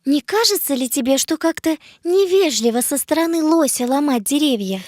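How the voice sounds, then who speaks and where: A woman voicing a curious, excitable child in an educational cartoon, wide-eyed and full of questions. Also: high voice, moderate pace, no echo, clean studio sound. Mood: chatty, curious. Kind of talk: scripted educational cartoon dialogue.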